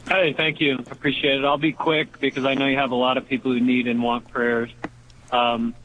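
A man calling in to a radio show, speaking haltingly with many pauses. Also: mid-range voice, flat delivery, fairly bright tone. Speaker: caller. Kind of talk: phone-in request. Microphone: telephone. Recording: phone line.

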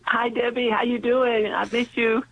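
A woman's voice: on the high side, flat delivery, normal speed. A congested woman with a sinus infection, calling into a radio show and telling a story earnestly, often repeating her words. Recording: tinny phone line.

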